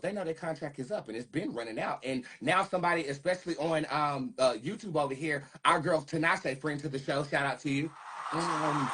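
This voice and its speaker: A man's voice: on the high side, bright, forceful tone, slightly rough. A man speaking casually and earnestly as he hosts a spiritual tarot reading, with an emphatic, conspiratorial manner. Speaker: tarot reader and host.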